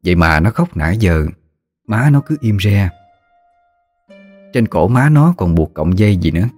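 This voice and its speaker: A man narrating a ghost story in a steady, somber storytelling manner. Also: on the low side, normal speed, soft background music.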